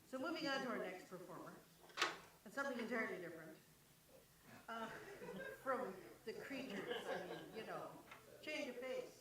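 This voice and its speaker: A woman hosting a live benefit concert, thanking people and introducing acts in a loose, chatty way with laughing asides. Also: mid-range voice. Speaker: emcee. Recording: distant, echoey hall with loud noise.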